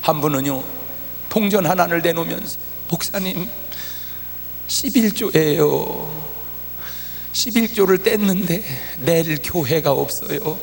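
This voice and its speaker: A man pastor preaching a revival sermon, swinging from soft talk to shouting and acting out quoted prayers. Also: on the high side, moderate pace, vocal fry, slight background noise. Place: large church hall with congregation. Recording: church hall reverb, faint ambience.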